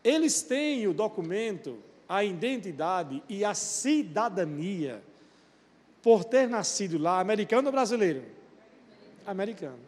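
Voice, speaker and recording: A man's voice: sits high, very animated, measured pace, a little mellow. A male pastor preaching a sermon, putting rhetorical questions to the congregation. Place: church. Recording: long church-hall reverb.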